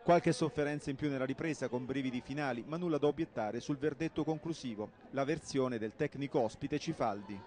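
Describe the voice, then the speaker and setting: Guy reading football match highlights, punchy and quick, regular pitch. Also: a little mellow. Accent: Italian. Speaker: sports reporter. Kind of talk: scripted match report voice-over.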